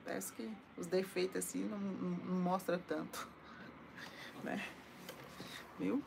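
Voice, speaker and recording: A woman's voice: lowish voice, little pitch movement, unhurried, creaky, background noise. A woman with a Brazilian Portuguese accent preaching on a live stream from her home into a phone, chatty and tagging her lines with little checks to her listeners. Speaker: evangelical preacher. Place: at home, indoors. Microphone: phone held in front of her.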